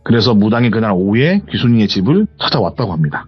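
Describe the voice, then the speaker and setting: Guy telling a scary story, lively ups and downs, slightly husky, muffled sound, faint music. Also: on the low side, fast. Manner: retelling with hearsay endings, rambling and animated. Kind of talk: conversational horror storytelling.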